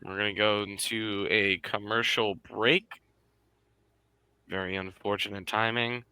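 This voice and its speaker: A man's voice: on the low side, little pitch movement, measured pace, pushed and bright, smooth, no room sound. A young man co-hosting a sports show who chats casually and gripes bluntly about his team. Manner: blunt, joking fan griping.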